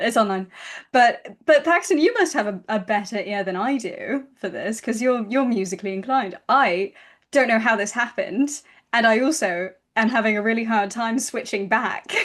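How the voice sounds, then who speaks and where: With a British accent, a woman talks against a quiet background. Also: fairly high pitch for a woman, ordinary pitch variation, moderate pace. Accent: British accent, acquired. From California, then England. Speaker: co-host and actor. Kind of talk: casual chat.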